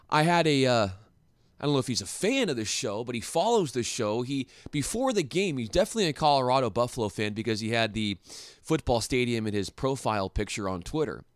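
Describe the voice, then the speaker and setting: A young man hosting a solo sports podcast, talking in an animated, excitable way with frequent restarts and rhetorical questions. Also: fairly high pitch, dry recording, clean studio sound. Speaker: podcast host.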